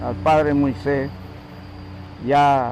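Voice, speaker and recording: Through audible room echo and noticeable background noise, a man with a fairly high pitch speaks at a very slow pace. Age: 70s. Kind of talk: interview testimony. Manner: halting.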